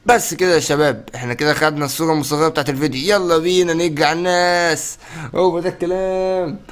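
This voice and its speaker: A young man with an Egyptian accent giving excited let's-play commentary, often exclaiming and laughing. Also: a little high, fast. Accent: Egyptian Arabic. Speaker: gaming YouTuber.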